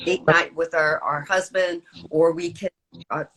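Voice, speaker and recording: A woman's voice: low-pitched, fairly even intonation, a bit bright, breathy edge, poor audio. A woman hosting a podcast, asking a long question with many hesitations. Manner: halting, many "uh" pauses. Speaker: podcast host. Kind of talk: casual podcast interview.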